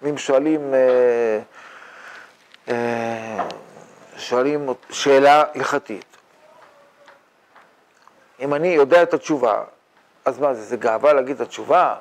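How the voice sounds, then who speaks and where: Animated older rabbi with a gravelly voice. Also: male voice, mid-range voice, long pauses. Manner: animated, rhetorical questions, mock-boastful asides. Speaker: rabbi teaching a yeshiva class. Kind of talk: Torah lecture. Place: yeshiva study hall, indoors.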